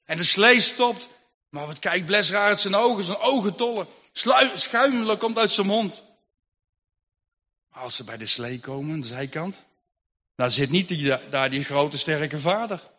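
Male storyteller, high bright voice, hushed and suspenseful, long hall echo, faint music. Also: lively intonation, unhurried. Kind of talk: dramatic Christian story narration.

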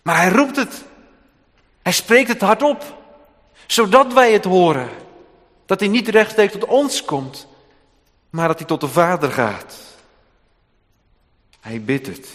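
A man's voice: high-pitched, big pitch swings, slow, long pauses. Preaching man in a reverberant church. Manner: dramatic swings between hushed and loud emphatic delivery. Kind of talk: sermon. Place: church hall.

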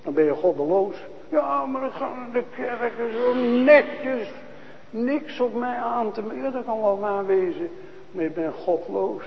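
A man preaching a sermon to a congregation, asking questions and answering them, dropping to a hush and then rising to loud proclaiming. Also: very high voice, creaky, in a large hall, highs cut off. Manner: slow, questioning, swings from hushed to loud proclaiming. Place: church.

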